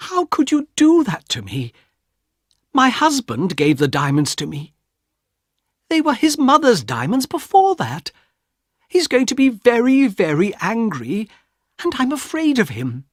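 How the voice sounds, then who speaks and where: A man reading aloud voices a frightened young woman pleading with her brother, raising his voice high. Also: wildly swooping pitch, unhurried, no room sound, studio quality, heavily acted.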